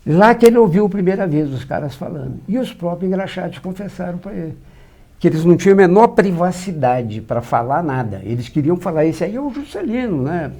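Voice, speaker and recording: A man's voice: high-pitched, brisk. An older man, a journalist from Minas Gerais with its regional accent, telling stories as an interview guest and acting out the dialogue he quotes. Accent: Minas Gerais Brazilian Portuguese. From São João del Rei, Minas Gerais, Brazil. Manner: lively raconteur, acts out quoted dialogue. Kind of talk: anecdotal storytelling.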